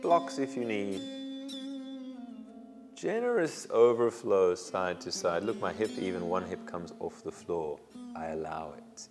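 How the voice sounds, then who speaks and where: A middle-aged man teaching a yoga class, giving slow, soothing cues timed to the breath, on a clip-on mic in a studio. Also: low voice, in a large hall. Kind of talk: guided yoga class instruction. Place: indoor yoga studio with bare walls. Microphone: small clip-on lapel mic.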